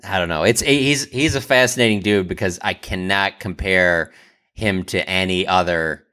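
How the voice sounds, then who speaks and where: Rambling low-voiced male cohost. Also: bright, forceful tone, clear, resonant tone. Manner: rambling, laughs easily, bursts of quick talk. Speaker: podcast cohost. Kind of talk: casual sports chat.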